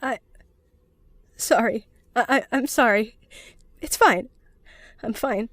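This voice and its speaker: A high-pitched young female student in an audio drama, recorded close and dry. She is earnest and anxious, a well-meaning type who stammers and halts as she talks. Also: takes it slowly, fairly bright tone, no echo. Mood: upset, apologetic. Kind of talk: audio drama acting, emotional monologue and dialogue.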